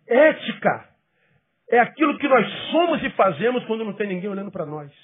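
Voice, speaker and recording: A male pastor preaching a lively sermon, talking straight to his listeners and acting out their objections. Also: sits high, fairly quick, husky. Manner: animated, addresses listeners directly, mimics objections. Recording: tinny phone-like audio.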